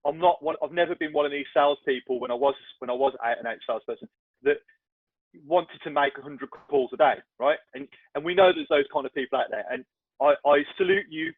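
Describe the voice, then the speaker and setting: A man's voice: a little high, a little fast, slightly rough, no echo. A man with a Black Country accent, a podcast guest talking in a chatty, self-deprecating way with lots of restarts. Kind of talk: casual podcast chat. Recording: tinny, dry phone-like line.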